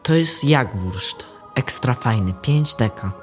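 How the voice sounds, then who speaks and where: A man's voice: mid-range voice, animated, takes it slowly, soft background music. A young male performer playing a naive poor boy in a radio play, speaking simply. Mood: solemn.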